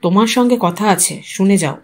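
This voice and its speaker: A woman's voice: mid-range voice, normal speed, darkish tone, pitched below the performer's own voice, natural voice. Woman voicing a proud, wounded, indignant husband. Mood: stern. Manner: stern, hurt, accusatory.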